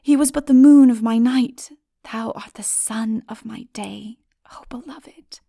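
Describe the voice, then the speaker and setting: Woman playing ardent fairy-tale lady, high-voiced. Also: unhurried, vocal fry, dark tone, dry recording, clean studio sound. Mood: ardent love.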